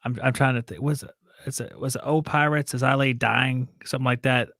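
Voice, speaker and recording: A man's voice: mid-range voice, steady tone, brisk, vocal fry, fairly bright tone, dry recording, studio quality. A man in his forties chatting casually, easygoing and full of questions. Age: 40s. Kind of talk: casual chat.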